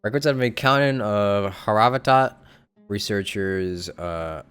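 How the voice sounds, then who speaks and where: A man's voice: lowish voice, measured pace, a bit bright, smooth. A young man doing casual live commentary as a game streamer, slangy and irreverent. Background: game music.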